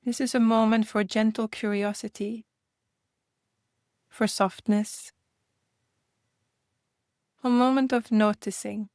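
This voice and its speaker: A woman's voice: fairly high pitch, fairly even intonation, no echo. Woman guiding a meditation, close and dry. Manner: gentle, unhurried invitations with long pauses. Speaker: meditation guide. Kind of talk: guided meditation.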